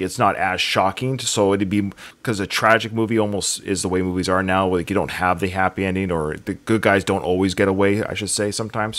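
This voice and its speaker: Male podcast host with a lowish voice, chatty and joking. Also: a bit bright. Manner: chatty and joking, rambles through film history. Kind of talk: casual podcast chat.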